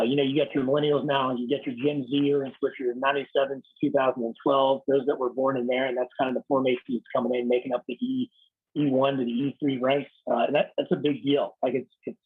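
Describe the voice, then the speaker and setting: A raspy-voiced man in his thirties, a military officer giving a blunt, casual leadership talk over a video call. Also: medium pitch, flat delivery, quick pace, phone-quality sound. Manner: blunt, casual, swears lightly. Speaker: Marine Corps officer speaking to a unit.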